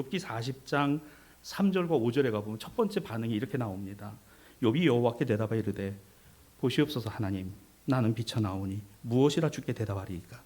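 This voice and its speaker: A middle-aged male pastor delivering a sermon, dropping to a hush and then rising to loud rhetorical questions. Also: mid-range voice. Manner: dramatic swings from hushed to loud, rhetorical questions.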